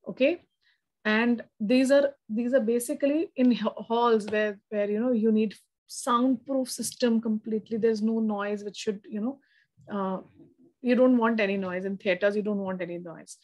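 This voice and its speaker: A woman with a South Asian accent gives a one-to-one lesson. Her voice sits a little high. She explains as a tutor does, often adding short tags to check that the student follows. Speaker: physics tutor.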